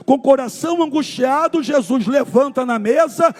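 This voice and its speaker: A man preaching a sermon at a church service, with fervent delivery that swings from shouting to hushed storytelling. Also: very high-pitched, normal speed. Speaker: pastor.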